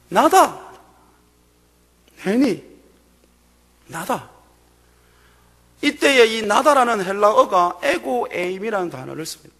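A man's voice: extremely high pitch, vocal fry, fairly bright tone. A man preaching a sermon as pastor, building to emphatic, raised bursts. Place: church sanctuary. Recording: long hall reverb.

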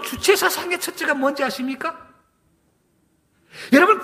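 High-voiced man from Korea, emphatic testimony. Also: a bit bright, big-room sound. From North Korea. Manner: emphatic, addresses the audience with rhetorical questions. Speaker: testimony speaker at a church. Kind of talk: testimony sermon to a congregation.

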